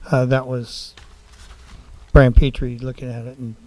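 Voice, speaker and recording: Halting, plain-spoken man at a meeting. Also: medium pitch, level tone, dark tone. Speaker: city council member. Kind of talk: public meeting discussion.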